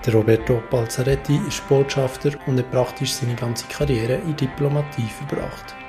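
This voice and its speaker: A man's voice: mid-range voice, steady tone, normal speed, music in the background. A man with a Swiss accent speaking as a podcast host and interviewer in a conversational style.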